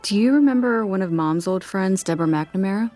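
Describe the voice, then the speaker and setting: A woman acting as a caring, searching young niece, hesitant and gently pleading, in a naturalistic audio drama. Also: medium pitch, expressive, a little fast, soft background music, lightly acted. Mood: tentative.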